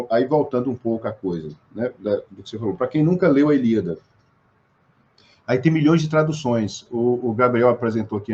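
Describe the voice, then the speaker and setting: A man's voice: medium pitch, darkish tone, highs cut off. A Brazilian man speaking as an interview guest, explaining poetry with many restarts and fillers. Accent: Brazilian Portuguese.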